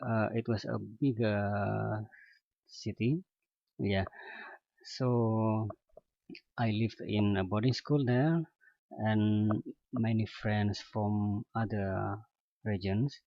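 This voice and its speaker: A man who speaks English as a fourth language tells about his own learning in a hesitant way, with many pauses and fillers. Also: fairly low pitch, fairly even intonation, gravelly, dry recording, highs cut off. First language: not English (English is his fourth language). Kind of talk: casual personal account.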